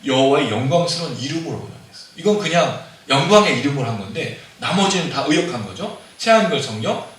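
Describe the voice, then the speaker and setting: Male pastor, sermon, animated and questioning, bright voice, very echoey hall. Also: fairly high pitch. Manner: conversational, asks the congregation questions, animated. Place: church sanctuary. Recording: very echoey hall, mic at a distance.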